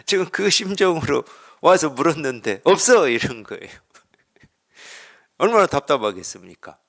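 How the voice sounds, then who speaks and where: A man's voice: fairly high pitch, very animated, measured pace, vocal fry, fairly bright tone. A man from Korea giving a Buddhist dharma talk as a Zen teacher, conversational, asking rhetorical questions and acting out the dialogue.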